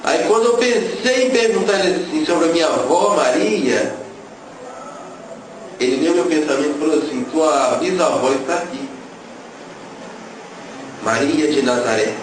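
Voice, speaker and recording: A man's voice: a little high, unhurried, pauses often. A man gives an emotional religious testimony, telling his story and acting out the dialogue. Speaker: testimony speaker. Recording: echoey, distant, noisy room.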